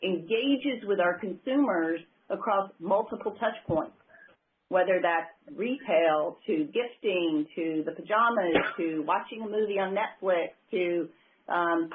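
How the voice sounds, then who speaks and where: A woman speaking as a company executive on an earnings call, pitching her business in emphatic corporate language. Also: measured pace. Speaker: company executive answering investors. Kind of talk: earnings call remarks, semi-spontaneous. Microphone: telephone conference call. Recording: tinny, narrow phone-line sound.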